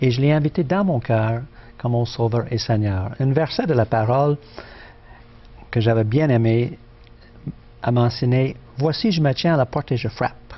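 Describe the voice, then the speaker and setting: A man with a slight English-Canadian accent speaks at a fairly slow pace and medium pitch, with ordinary pitch variation and long, frequent pauses. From Ontario, Canada. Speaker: testimony guest. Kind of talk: testimony. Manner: hesitant, with fillers.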